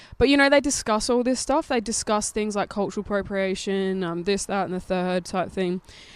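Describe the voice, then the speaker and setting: With an Australian accent, a woman talks at a fairly quick pace and a medium pitch with ordinary pitch variation and hardly any pauses, on a very clean recording with a silent background. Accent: mild Australian. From Australia, Perth. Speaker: hip hop artist. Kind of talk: casual interview chat. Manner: hesitant, many fillers.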